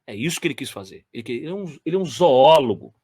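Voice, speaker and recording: A man's voice: a little high, animated, racing, darkish tone, husky, no echo, clean studio sound. A man giving commentary on lecture clips. He talks straight to his viewers, stressing and repeating phrases.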